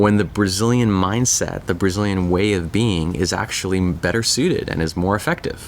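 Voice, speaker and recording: At a moderate pace and with hardly any pauses, a man talks in a fairly low pitch with ordinary pitch variation and very even loudness, over noticeable background noise. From Southern California. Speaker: author and productivity educator. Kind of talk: personal life update vlog. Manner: casual, conversational with fillers.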